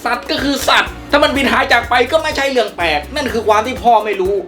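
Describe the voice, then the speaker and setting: A man's voice: on the high side, expressive, quick pace, fairly bright tone. A man voicing a sarcastic young adult son who argues back at his father, in a cartoon fan dub. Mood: defensive. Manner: defensive, mocking. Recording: music under the voice.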